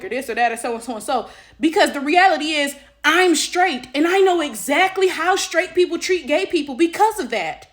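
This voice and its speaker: A woman's voice: high voice, fairly bright tone. A woman, giving casual, emphatic commentary with sassy slang and rhetorical check-ins. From Detroit, United States. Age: late 20s. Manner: blunt, sassy, slangy, swearing. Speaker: social media commentator. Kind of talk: casual opinionated commentary to camera.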